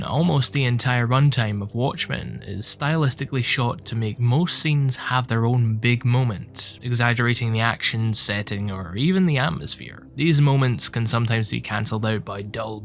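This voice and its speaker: Male video essay narrator, medium pitch, scripted read, light music bed underneath. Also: gravelly.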